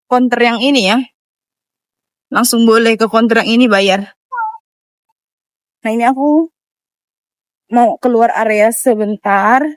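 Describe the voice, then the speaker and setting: An Indonesian woman vlogs while walking through a busy outdoor amusement area and a nearby shop, chatting casually to her viewers. Her voice is a little high, with no echo but poor audio quality.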